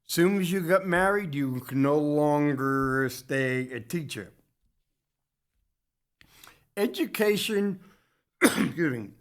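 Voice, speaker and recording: Slow, halting man lecturing. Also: fairly high pitch. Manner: slow, halting delivery with restarts and self-corrections. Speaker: host of a local community TV talk show. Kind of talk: lecture-style commentary.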